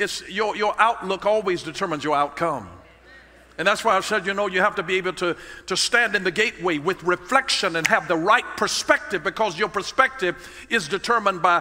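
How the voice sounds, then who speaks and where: Over a quiet background, a man projects a raised voice at a fairly quick pace with ordinary pitch variation. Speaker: preacher. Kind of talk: sermon. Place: church. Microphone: headset.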